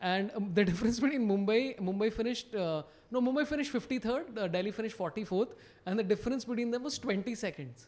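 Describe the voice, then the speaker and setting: This man speaks at a very fast pace. His pitch is high, with ordinary variation. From India. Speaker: comedian and podcast host; comedian, podcast host. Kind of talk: casual chat. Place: studio. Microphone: studio mic.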